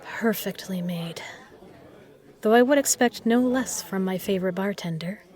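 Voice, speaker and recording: Female actor as self-assured, exacting bar patron, flirtatious yet protective; formal, measured delivery for scripted audio roleplay. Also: mid-range voice, darkish tone, close to an everyday voice. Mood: warm, flirtatious.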